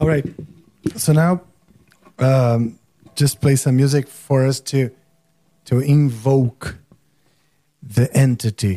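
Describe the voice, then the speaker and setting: A man with a Portuguese accent speaks in a dark, mellow tone at a medium pitch, with ordinary pitch variation and very even loudness. His pace is very slow, with long, frequent pauses. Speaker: podcast host and musician. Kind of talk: casual interview. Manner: animated.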